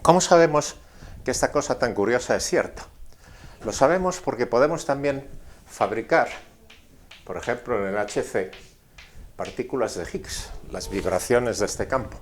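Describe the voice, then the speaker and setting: A man giving a didactic science explanation as a lecturer, deliberate and step by step, posing rhetorical questions. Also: mid-range voice, a little hiss or hum. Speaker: physics lecturer explaining at a board.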